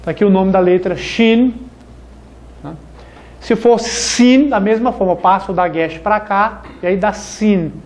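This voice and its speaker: Male hebrew teacher in a classroom, talks slow with a high voice, keeps repeating words. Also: a little mellow. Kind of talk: classroom lecture.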